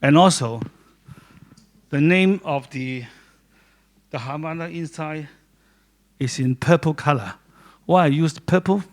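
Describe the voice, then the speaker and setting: A man with a Hong Kong accent, a native Cantonese speaker, giving a halting informal talk in English about his photo book to a small audience in a gallery. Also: fairly high pitch. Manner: halting, with many restarts and pauses. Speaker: guest speaker, doctor and photographer.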